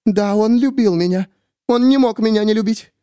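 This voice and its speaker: A hysterical, volatile young woman, as a male narrator puts her on, her voice pushed far above his own into shrill, frantic cries. She lurches from screaming fury to deluded, bitter insistence. The sound is dry and close, with no room around it. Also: normal speed, warm tone, clean tone, no room sound, close to an everyday voice. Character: unhinged jealous young woman with a gun.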